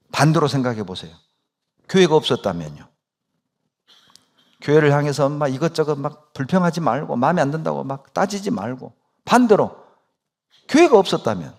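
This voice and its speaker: A man's voice: medium pitch, a little mellow. A male pastor preaching a sermon, speaking emphatically and asking his congregation rhetorical questions.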